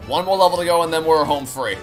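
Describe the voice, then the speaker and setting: A man with a fairly high-pitched voice speaks fast as he streams a game. He chats with viewers and explains his views analytically while playing, giving live commentary over the game's music and sounds.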